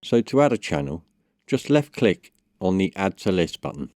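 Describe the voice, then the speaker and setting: Man, deep voice, dry close sound, measured tutorial voice-over, instructional. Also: sing-song, darkish tone, dry recording. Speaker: tutorial presenter. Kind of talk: step-by-step software tutorial voice-over.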